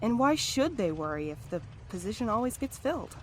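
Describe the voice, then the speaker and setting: A woman's voice: fairly high pitch, very animated, a little fast, slight background noise. A woman playing a sensible, anxious peacemaker with dry humour in an audio drama. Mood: matter-of-fact.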